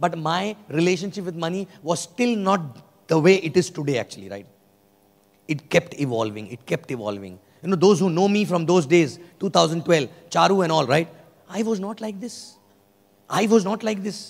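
A man talks with lively intonation. His pitch is high. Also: moderate pace. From India. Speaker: network marketing leader; motivational speaker. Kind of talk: motivational talk. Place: hall. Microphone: handheld.

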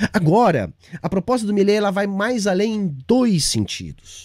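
A man talks with a high pitch. The sound is dry with no echo over a quiet background. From southern Brazil, Rio Grande do Sul. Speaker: political commentator, livestreamer. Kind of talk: livestream political commentary. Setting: livestream. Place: home room. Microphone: studio mic.

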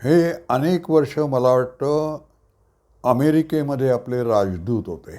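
This man's tone is dark and mellow, and his intonation is lively. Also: medium pitch for a man. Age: old. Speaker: veteran journalist and commentator. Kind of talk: video commentary monologue.

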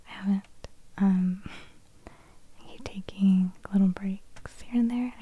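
Soft-spoken and relaxed in tone, a woman talks at a fairly slow pace in a dry sound with no echo. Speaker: ASMR content creator. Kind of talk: soft-spoken gaming ASMR talk to camera. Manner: soft-spoken, relaxed. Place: home room.

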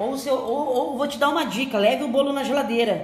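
Woman's voice with audible room echo. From Santa Catarina, southern Brazil. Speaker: cake decorating instructor. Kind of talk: live tutorial. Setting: livestream in a cake studio. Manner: warm, chatty. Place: kitchen. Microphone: phone near.

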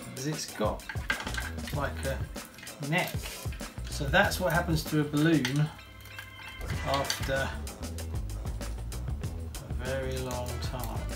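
Clear music plays behind a man who speaks at a very slow pace, leaving long, frequent pauses. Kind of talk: tutorial. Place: workshop.

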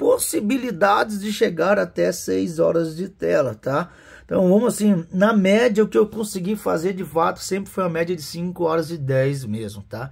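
A high-pitched man with very wide pitch swings against a quiet background. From Brazil. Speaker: tech YouTuber. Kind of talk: tech review vlog. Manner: casual, conversational. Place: home room. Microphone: phone near.

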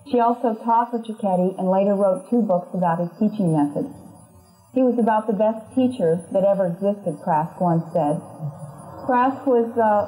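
A woman at a moderate pace with ordinary pitch variation, faint music in the background. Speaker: presenter. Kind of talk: reading an obituary aloud. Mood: calm, respectful. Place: hall.

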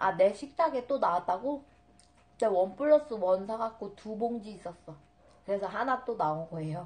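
Somewhat breathy female voice with lively intonation. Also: moderate pace. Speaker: live streamer. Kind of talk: casual stream chat. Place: home room.

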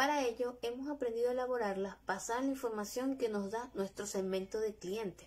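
This woman's voice comes out somewhat breathy. She keeps to a moderate pace. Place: workshop. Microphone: phone near.

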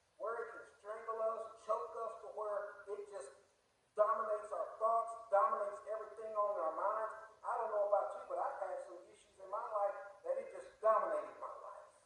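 Amid strong room echo, a man speaks at a moderate pace with big swings in loudness. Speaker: lay preacher. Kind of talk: sermon. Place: church.

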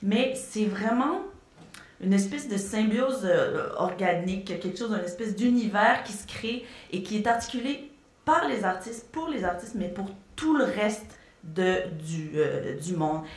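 In a Quebec accent, a woman speaks at a fairly slow pace with lively intonation, long and frequent pauses, and audible room echo. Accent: Québécois French. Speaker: journalist. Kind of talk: panel talk. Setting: stage with audience. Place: hall.

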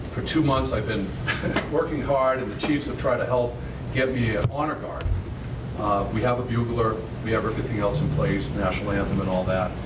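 Loud background noise sits behind a man who talks at a fairly quick pace with ordinary pitch variation. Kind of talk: public comment at meeting. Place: meeting room. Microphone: podium.

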